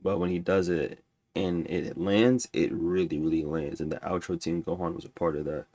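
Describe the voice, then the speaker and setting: Deep-voiced stuffy man rambling casually. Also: fairly even intonation, normal speed, darkish tone, no room sound. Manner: rambling, many restarts and fillers. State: stuffy nose. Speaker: music reviewer. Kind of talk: casual album ranking talk.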